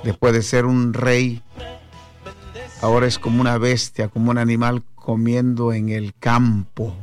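Slow-talking Latin American radio preacher, a man. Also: mid-range voice, flat delivery. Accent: Latin American Spanish. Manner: devout, punctuates talk with hallelujahs and amens. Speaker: Christian radio host and preacher. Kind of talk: devotional radio preaching and chat with callers. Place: radio studio. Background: music.

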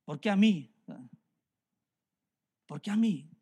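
A man's voice: high-pitched, slow pace, mellow, breathy edge, exaggerated voice. A man voicing a despairing old patriarch. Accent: Mexican Spanish. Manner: lamenting, pleading questions. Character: old grieving patriarch, bewildered and complaining.

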